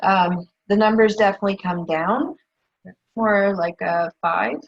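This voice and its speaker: Soft, breathy woman on muffled audio. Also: mid-range voice, measured pace. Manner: soft, hesitant, with fillers. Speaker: client in a tapping session. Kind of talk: repeating affirmations, then describing feelings.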